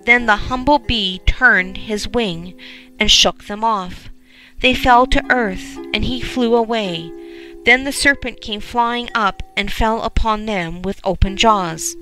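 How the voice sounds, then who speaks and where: A woman narrating a folk tale in measured storytelling. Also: a little high, bright, forceful tone, faint music behind, low-quality recording.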